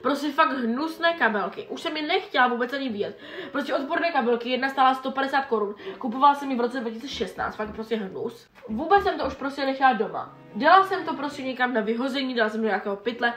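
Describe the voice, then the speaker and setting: A young woman vlogger chatting in an animated, exasperated way while doing her makeup. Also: high-pitched. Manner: animated, exasperated retelling with quoted dialogue. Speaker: beauty vlogger. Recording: echoey room with faint background music.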